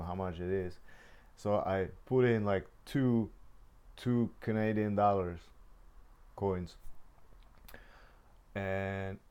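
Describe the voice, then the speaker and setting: A young Czech-born man speaks in a low, level voice with a smooth, clean tone. He rambles through a personal story, stopping and restarting often and leaning on lots of fillers. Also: darkish tone. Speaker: vlogger. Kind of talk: casual storytelling.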